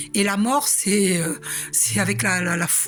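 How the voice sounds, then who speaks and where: A woman speaks over noticeable background noise. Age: 60s. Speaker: spiritual medium. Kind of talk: channeled spiritual message monologue. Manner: halting with many fillers.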